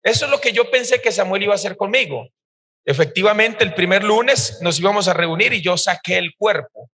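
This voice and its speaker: A male pastor tells his own testimony in a sermon, in an animated, emphatic storytelling manner. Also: high-pitched, fairly quick. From Costa Rica. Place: church service hall. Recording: reverberant church hall.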